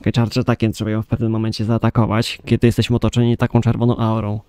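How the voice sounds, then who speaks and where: A man's voice: fairly low pitch, monotone, very fast, warm tone, clean tone. A man giving casual let's play commentary as a gamer, reacting in short asides and swearing. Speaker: gaming streamer. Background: game music.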